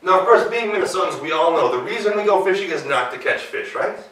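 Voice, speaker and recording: An American male storyteller with a high, bright voice tells a tale to a live audience. He is playful and conversational, heard slightly at a distance in a very echoey room. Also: animated, fast talker. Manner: playful, asks the listeners questions. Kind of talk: live folktale telling to an audience. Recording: roomy live hall, distant mic.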